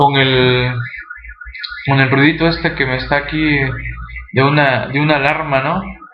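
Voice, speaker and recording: A man with a fairly high pitch talks at a fairly slow pace in a monotone, flat intonation, with long, frequent pauses. The recording has audible room echo and noticeable background noise. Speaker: tax webinar instructor. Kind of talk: online lecture. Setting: video webinar with screen sharing. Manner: casual, many fillers.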